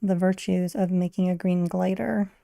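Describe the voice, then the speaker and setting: A young woman streamer talks through her game in a wry, musing, half-to-herself way. Her voice is soft and mellow with a gravelly, fry-tinged edge. The sound is close and dry, with no room around it. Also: on the low side, steady tone, moderate pace, dry recording. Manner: wry, musing aloud while playing. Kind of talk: casual gameplay commentary.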